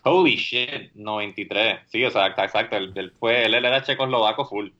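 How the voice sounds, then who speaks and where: A man with a Puerto Rican accent hosting a podcast, chatting in a relaxed way. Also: fairly low pitch, fairly quick, highs cut off. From Puerto Rico. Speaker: podcast host. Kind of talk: casual podcast chat.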